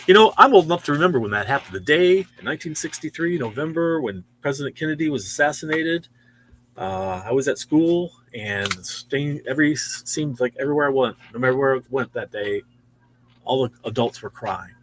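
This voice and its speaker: A man's voice: mid-range voice, animated, a little fast, fairly bright tone, a little hiss or hum. A man in his sixties hosting a casual show-and-tell of new comics in a store, chatty and easily impressed. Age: 60s. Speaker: comic shop host.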